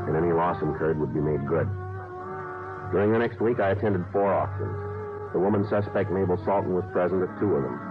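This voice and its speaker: An actor playing a matter-of-fact police detective who narrates in short, flat sentences, in a 1950s radio crime drama. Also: male voice, deep voice, lightly acted. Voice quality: flat, clipped delivery. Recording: tinny old radio broadcast.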